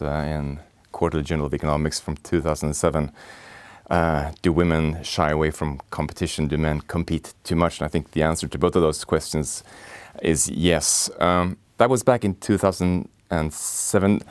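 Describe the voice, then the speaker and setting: A man hosting an academic interview, reading his introductions and questions crisply. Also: deep voice, dry recording. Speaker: interview host.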